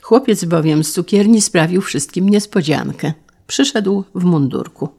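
An audiobook narrator with a gravelly, creaky texture and a mid-range pitch, reading a classic novel. The delivery is measured and even, plain storytelling.

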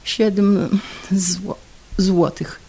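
A woman's voice: mid-range voice, little pitch movement, very slow, dark tone, husky, heavily acted. A woman voicing a boastful, tipsy middle-aged husband who blusters over drinks but turns meek and stammering before his wife.

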